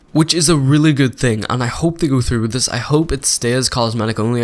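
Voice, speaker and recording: A man talking through a sore throat as he rambles over gameplay. His voice sits at an ordinary middle pitch. He is casual and opinionated, piling up fillers as he makes his point. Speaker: gaming YouTuber.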